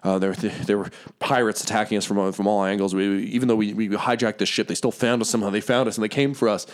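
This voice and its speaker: A man doing a wired, sleepless soldier who stumbles over his words and says everything twice. His voice sits a little low but keeps jumping up in fits of panic, and his talk is rushed and shaky. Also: steady tone, close to an everyday voice. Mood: frantic. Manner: stammering, panicky, repeats himself. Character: frantic, jittery male soldier on stimulants.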